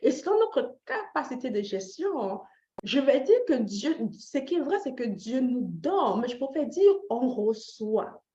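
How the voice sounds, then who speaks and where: A woman from Canada speaks a little slowly in a high, sing-song voice with a dark tone, teaching personal finance in an informal, motivational live talk. She repeats phrases for emphasis, checks in with listeners, questions them directly, and drops in short English tags. Roomy echo and a slightly dull lo-fi sound mark the recording.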